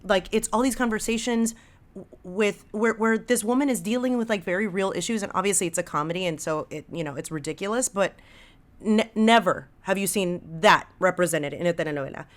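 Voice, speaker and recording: Female podcast guest, medium-pitched, casual and slangy, drives points home with enthusiasm. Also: brisk. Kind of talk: casual conversational podcast talk.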